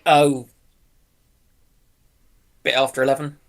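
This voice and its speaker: A man's voice: medium pitch, level tone, slow. A man chatting casually as a panelist on a livestream. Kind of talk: casual chat.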